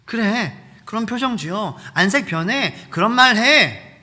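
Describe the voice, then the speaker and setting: A man's voice: high voice, animated, measured pace, sharp tone, pitched above the performer's own voice, heavily acted. A man voicing a devil who coaxes a believer into anger, in a gleeful, goading tone, recorded in a reverberant church hall. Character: taunting male devil egging a believer on.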